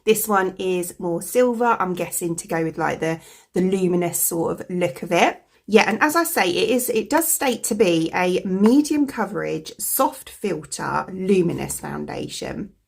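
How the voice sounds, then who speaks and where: A woman with a croaky voice from a cold, chatting casually as a beauty vlogger, rambling with lots of fillers. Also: on the low side, lively intonation, a little slow. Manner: rambling, full of fillers like "like" and "you know". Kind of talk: chatty product review.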